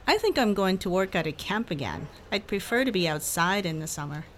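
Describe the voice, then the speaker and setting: A woman's voice: mid-range voice, lively intonation, fairly quick, slight background noise, lightly acted. A young woman playing a chatty, upbeat student friend. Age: young adult.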